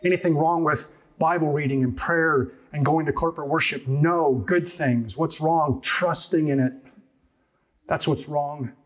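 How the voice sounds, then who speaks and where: A man's voice: fairly high pitch, unhurried. A man pastor preaching an earnest sermon, emphatic and full of rhetorical questions.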